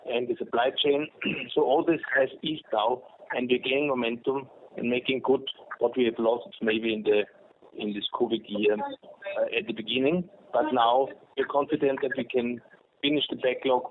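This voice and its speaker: Halting man over a telephone line. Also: mid-range voice. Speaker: airline executive on an earnings call. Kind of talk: answering analyst questions on a conference call. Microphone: telephone conference line. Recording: phone-like line with faint background noise.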